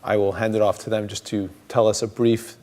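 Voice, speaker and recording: A man's voice: fairly low pitch, flat delivery, a little fast, darkish tone. A man moderating a conference panel, hesitant with many filler sounds. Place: conference stage.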